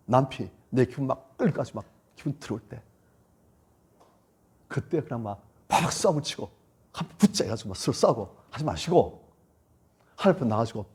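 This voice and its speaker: A male pastor preaching a sermon, emphatic and repetitive, swinging between loud lines and hushed ones. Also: medium pitch, breathy edge. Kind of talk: sermon at a church retreat.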